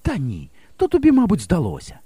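A man voicing a brave, resolute young woman, a village teacher who speaks in a bright, brisk and reassuring way in an audiobook. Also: high-pitched, wildly swooping pitch, breathy edge, dry recording, voice pushed up, full character voice. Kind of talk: audiobook character voice.

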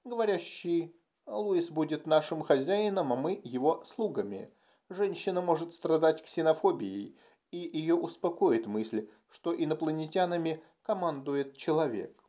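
A man voicing a timid but cunning alien puppeteer in an audiobook, speaking in a calm, precise, scheming way. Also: on the high side, unhurried. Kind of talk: audiobook character voice.

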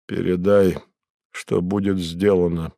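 A man voicing a cold, commanding male devil who speaks slowly, low and tersely in an audiobook reading. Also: little pitch movement, vocal fry, dark tone, dry recording, clean studio sound, exaggerated voice. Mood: stern.

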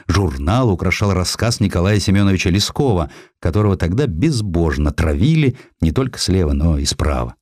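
A man with a low-pitched voice reads scripted historical narration. His storytelling is theatrical and richly varied in intonation. The studio sound is close and very dry. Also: darkish tone, dry recording. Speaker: audiobook narrator. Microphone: close studio microphone.

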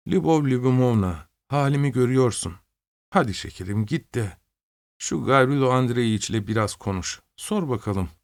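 A man voicing a weary, self-pitying old noblewoman in an audiobook, speaking softly and plaintively. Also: mid-range voice, lively intonation, normal speed, dry recording, clean studio sound, close to an everyday voice. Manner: soft, plaintive, martyred tone. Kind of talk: audiobook character voice.

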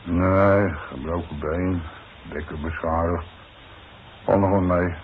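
A man's voice: deep voice, steady tone, takes it slowly. An actor playing a plain-spoken, worried demolition foreman in a 1960s radio play, talking in blunt, colloquial working-man's language. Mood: weary, blunt. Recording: muffled, noisy 1960s radio recording.

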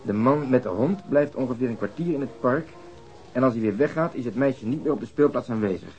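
An actor playing a methodical police detective questioning a witness in a radio drama, formal, matter-of-fact and probing. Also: male voice, medium pitch, brisk, darkish tone, muffled recording, soft background music, close to an everyday voice. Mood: measured, formal.

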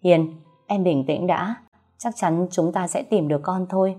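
A woman voicing a calm, protective young gentleman who speaks with steady reassurance. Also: on the low side, measured pace, faint music behind. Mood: soothing.

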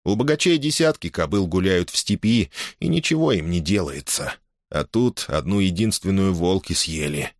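A man's voice: low voice, animated, normal speed, dry recording, clean studio sound. A man voicing a young peasant who ruefully laments his family's bad luck.

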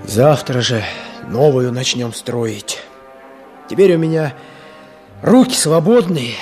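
Earnest young fighter, music behind. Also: male voice, medium pitch, animated, takes it slowly, darkish tone. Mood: tender, resolute. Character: earnest young fighter, grieving lost friends, hopeful builder. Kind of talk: Soviet-style radio play acting.

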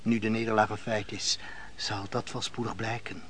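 An actor playing a calm, courteous host to a defeated lord in a radio play, measured, hushed and deferential. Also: male voice, on the low side, lightly acted. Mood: matter-of-fact. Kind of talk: Dutch radio play acting. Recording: noisy old radio play recording.

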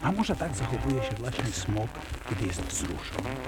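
An actor playing a kindly, patient man who looks after little dragons in a children's show, speaking gently. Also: mid-range voice, sing-song, moderate pace, music in the background, lightly acted. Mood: hushed, gentle.

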